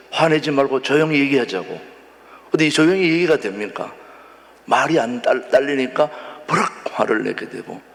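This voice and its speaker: A middle-aged man preaching a sermon to his congregation, posing questions to them as he goes. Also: mid-range voice. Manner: animated, asks the congregation questions. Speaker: pastor. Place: church sanctuary. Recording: long hall reverb.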